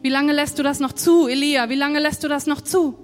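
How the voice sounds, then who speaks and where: High-voiced woman preacher in a hall. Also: steady tone, a little fast. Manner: conversational, addresses the congregation directly. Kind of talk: sermon. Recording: long hall reverb, faint music.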